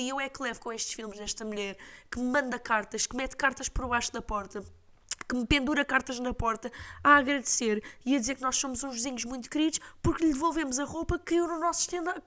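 A woman's voice: sits high, fairly even intonation, fast, pushed and bright. A woman podcast host with a European Portuguese accent, telling a story in a blunt, exasperated way with casual swearing.

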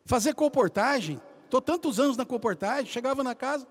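Guy preaching, high voice, keeps calling the crowd brothers. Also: a little fast. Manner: animated storytelling, addresses congregation as brothers. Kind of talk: sermon.

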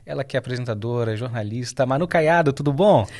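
A man hosting a podcast, asking friendly questions in a relaxed way with hesitant restarts. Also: mid-range voice, fast. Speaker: podcast host. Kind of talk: casual interview chat.

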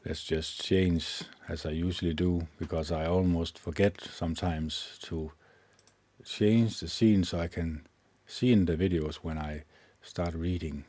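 A man with a very low, mellow voice reads from a book on his own podcast, steady and measured, now and then stumbling over a word and fixing it. His tone is slightly husky. The sound is close and dry, with no room around it. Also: dry recording. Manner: measured reading with occasional slips and self-corrections. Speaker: podcast host. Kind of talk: reading a self-help book aloud. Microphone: own microphone with gain up and low cut filter.

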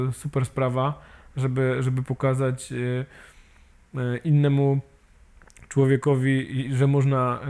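Man, interview guest, amputee peer supporter, halting speech, many fillers, mid-pitched voice. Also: darkish tone, clear, resonant tone. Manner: halting, many fillers and restarts, ends with tag questions. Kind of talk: casual interview talk.

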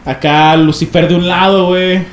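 A young man with a Mexican accent, co-hosting a podcast and telling a story in a lively, slangy way, acting out what others said. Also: high-pitched, moderate pace, faint music behind. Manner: animated, slangy, laughing, acts out others' lines. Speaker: podcast co-host. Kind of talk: casual storytelling among friends. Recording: echoey room, faint background noise.

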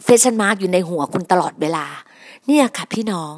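A woman's voice: mid-range voice, expressive, moderate pace. A woman preaching a sermon on her podcast, emphatic and repetitive, often addressing her listeners as brothers and sisters.

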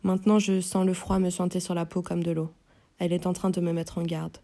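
A woman narrating a novel in first person, in a measured, inward, tense way. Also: fairly low pitch, level tone, dark tone. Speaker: audiobook narrator.

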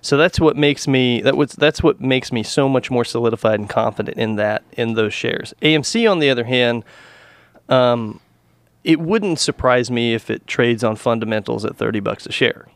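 A man's voice: medium pitch, normal speed, no room sound. A man co-hosting a podcast, chatting casually and rambling with lots of restarts and fillers. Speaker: podcast co-host. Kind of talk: casual chat about stocks.

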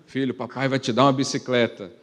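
Pastor preaching in a reverberant hall. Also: male voice, mid-range voice, little pitch movement, quick pace. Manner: preaching with rhetorical questions and big swings in loudness. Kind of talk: sermon. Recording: long reverb of a church hall.

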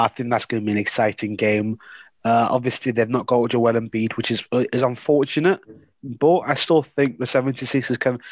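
Excitable guy, english not his first language, co-hosting a sports pod, dry close sound, lots of uhs. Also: medium pitch, dry recording. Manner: excitable, joking, hesitant with fillers. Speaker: podcast co-host. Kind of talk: casual sports chat. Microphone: video call.

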